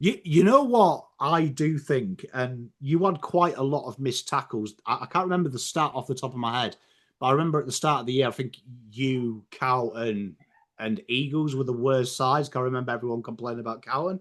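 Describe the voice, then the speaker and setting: Speaking with an English accent at a fairly quick pace, the voice shows ordinary pitch variation over a quiet background. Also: man, medium pitch for a man. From England. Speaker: Australian football content creator. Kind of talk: casual chat. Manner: animated.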